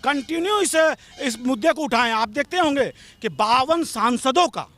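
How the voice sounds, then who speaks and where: A man's voice: extremely high pitch, expressive, moderate pace, a bit bright. A man giving an impassioned, argumentative street interview, pressing his demands and repeatedly calling the interviewer madam. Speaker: local political supporter interviewed.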